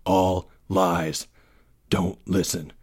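A man's voice: flat delivery, extremely slow, husky, full character voice. A man plays a determined boy leader in a storybook adventure. He is terse and grim, muttering and hissing with serious intent. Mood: hushed defiance. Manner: low grunting, hissing, muttering.

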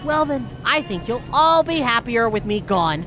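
A woman's voice: fairly high pitch, sing-song, normal speed, over music, pitched above the performer's own voice. A woman playing a defiant, wisecracking teenage boy thief in a roleplayed audio drama. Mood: mocking. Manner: wisecracking, insolent, slangy.

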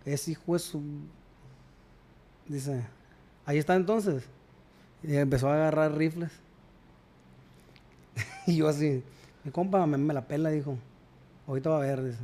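A man tells stories as a guest in a casual chat, his voice sitting a little high. He talks in slang and acts out both sides of every exchange. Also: fairly even intonation, moderate pace, pauses often, mellow. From Culiacán, Sinaloa, Mexico. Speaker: guest musician.

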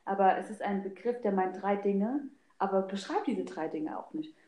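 A woman's voice: mid-range voice, expressive, moderate pace, mellow, echoey room. A woman in a casual group discussion, explaining her opinions and slipping in English loanwords. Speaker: discussion participant.

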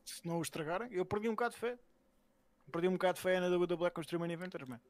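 Fast-talking Portuguese man, blunt and slangy. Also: sits high, no echo. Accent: European Portuguese. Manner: blunt, slangy, sweary, repeats himself. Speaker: podcast co-host. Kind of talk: casual banter and commentary.

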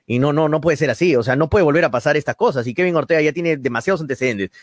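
A man's voice: fairly high pitch, rapid-fire, no room sound, studio quality. A man with a Peruvian Spanish accent, co-hosting a sports talk show in heated football commentary, emphatic and indignant. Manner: emphatic, indignant, repeats words.

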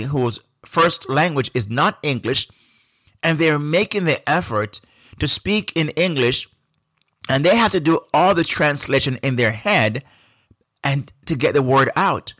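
A man from Jamaica with a Jamaican accent, hosting a solo podcast in a reflective, unhurried way with frequent restarts. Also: on the high side, a bit bright, no echo, clean studio sound. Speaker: podcast host.

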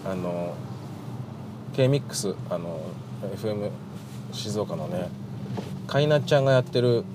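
A man from Shizuoka, Japan, hosting a casual solo podcast in very polite Japanese, softened with chatty fillers. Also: on the low side, lively intonation, a little slow. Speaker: podcast host, greengrocer. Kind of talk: casual solo radio-style chat. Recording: noisy, with car and outdoor street sounds.

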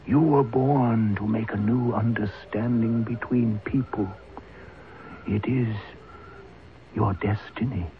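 An actor playing a solemn, fatalistic old uncle, a tribal elder who speaks slowly and formally in a radio drama. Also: male voice, fairly low pitch, fairly even intonation, faint music behind. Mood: solemn foreboding. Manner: slow, measured, formal speech. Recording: tinny, hissy old radio broadcast.

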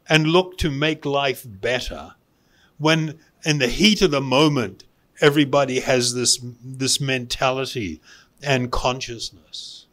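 Slow-talking man with animated, swooping intonation. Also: fairly high pitch. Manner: deliberate, with emphatic pauses and repeated phrases. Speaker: meditation and yoga teacher giving a talk. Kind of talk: spiritual self-help talk to an audience.

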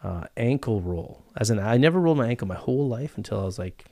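A man's voice: lowish voice, expressive, fast, mellow, dry recording. A man in his forties hosting a casual podcast in a rambling, jokey, self-deprecating way. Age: 40s. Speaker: podcast host. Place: podcast studio.

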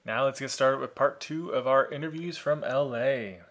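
A man's voice: mid-range voice, moderate pace, over loud music. Chatty male podcast co-host. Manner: chatty, self-deprecating, laughs easily. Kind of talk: casual podcast chat.

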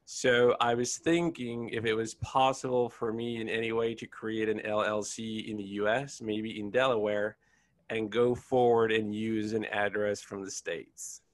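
A man's voice: lowish voice, level tone, measured pace, dry recording. A man from Puerto Rico whose first language is Spanish, speaking English with a Puerto Rican accent in a polite, somewhat hesitant way while asking for business advice. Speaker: caller seeking business advice. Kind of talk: casual call conversation.

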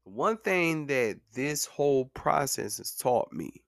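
A man in his late thirties, hosting a podcast and speaking in a relaxed, conversational way. He repeats himself with motivational drive to hammer a point home, at a middle pitch. The sound is dry and close, with no room echo. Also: takes it slowly, gravelly. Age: 30s. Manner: conversational, says "man" and "you know what I'm saying". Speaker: podcast host. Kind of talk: casual monologue.

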